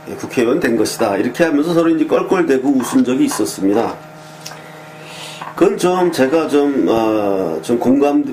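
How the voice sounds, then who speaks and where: A man's voice: mid-range voice, darkish tone, a little hiss or hum, poor audio. A man giving casual political commentary in a conversational way, with many fillers and small affirming asides, and voicing pointed, critical opinions.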